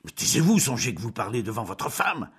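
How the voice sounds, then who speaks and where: A man's voice: medium pitch, sing-song, fairly quick, fairly bright tone, slightly rough, pitched above the performer's own voice, heavily acted. A man voicing an old baron, a flustered father who bursts out scolding in an audiobook. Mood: outraged. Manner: scolding outburst.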